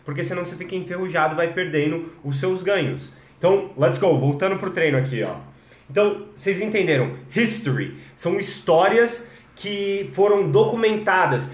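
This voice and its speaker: A young adult man from Brazil teaching English in a live stream, energetic, switching between languages and stretching out example words. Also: on the high side, reverberant. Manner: energetic, code-switching, drawn-out demo words.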